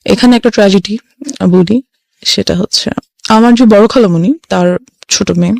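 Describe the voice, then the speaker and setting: A woman's voice: medium pitch, normal speed, vocal fry, darkish tone, no room sound. A young woman telling her personal life story as a guest on a radio show, earnest and mixing English phrases into her talk.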